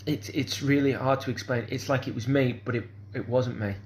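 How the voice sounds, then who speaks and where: A man's voice: medium pitch, fairly even intonation, brisk, slight background noise. A man, speaking in a rambling, hesitant monologue full of fillers and restarts. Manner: hesitant, repeats "kind of sort of", restarts often.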